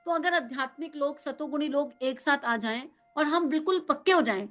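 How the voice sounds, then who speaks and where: A woman spiritual counsellor giving a devotional talk, animated, acting out little dialogues and laughing often. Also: sits high, fairly quick.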